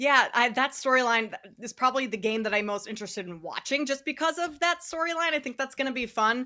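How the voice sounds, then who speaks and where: A woman's raised, projected voice, high-pitched and bright, sharp in tone, with lively intonation at a very fast pace. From Minnesota. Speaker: sports betting analyst. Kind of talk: casual chat.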